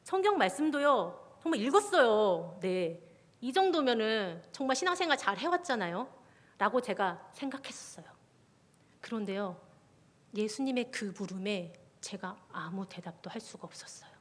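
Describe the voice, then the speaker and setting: A woman, a junior pastor, giving a testimony sermon at a midweek prayer service, often dropping her voice to a soft whisper. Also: mid-range voice, sing-song, normal speed. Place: church sanctuary. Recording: long reverb of a church hall.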